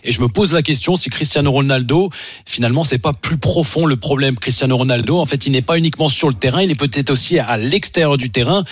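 A former player speaks as a radio football pundit, arguing his point insistently. He talks fast, and the mic sounds close and dry. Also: medium pitch, breathy edge, no room sound. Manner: insistent, argumentative. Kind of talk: radio sports debate.

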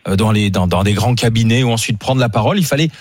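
A male radio host leading a studio discussion, chatty and quick to jump in. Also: fairly low pitch, dry recording. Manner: chatty, jumps in often. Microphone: studio microphone.

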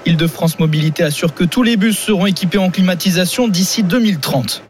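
A man's voice: high voice, quick pace, slight background noise. A man narrating a radio field report in a storytelling manner.

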